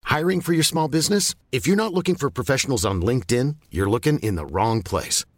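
A man reading a recorded advertisement as an upbeat sales pitch. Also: slightly rough, no echo. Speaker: ad announcer. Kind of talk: read advertisement. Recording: dry close studio sound.

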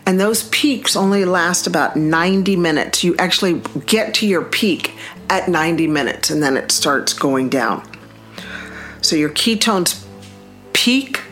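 A woman's voice: lowish voice, a bit bright. A woman who is a medical doctor hosting a health podcast, talking to listeners in an enthusiastic, emphatic way and repeating words for stress. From Cuban heritage.

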